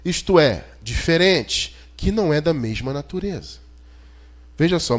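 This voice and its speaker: A man with a Brazilian Portuguese accent preaching an expository sermon in an emphatic, didactic way, putting rhetorical questions to his listeners. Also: medium pitch. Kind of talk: expository sermon, teaching scripture verse by verse.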